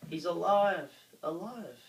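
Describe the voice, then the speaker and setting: A man voicing a mischievous, bossy little terror from a storybook, shouting and squealing excitably. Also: sits high, slow, gravelly, pitched above the performer's own voice, heavily acted. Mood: gleeful. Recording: roomy, distant mic, faint noise.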